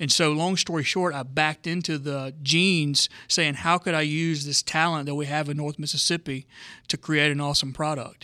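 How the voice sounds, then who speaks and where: In a Southern US accent, a man speaks at a moderate pace with a fairly high pitch, a bright, sharp tone and monotone, flat intonation. The recording is very clean with a silent background and a dry, close sound with no echo. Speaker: business owner. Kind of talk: casual chat.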